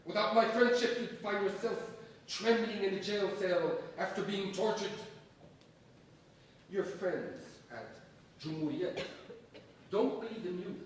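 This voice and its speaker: A man in a staged reading playing a domineering, menacing secularist strongman, emphatic and theatrical, with deliberate pauses. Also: high voice, far from the mic. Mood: threatening. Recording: echoey stage from afar, faint noise.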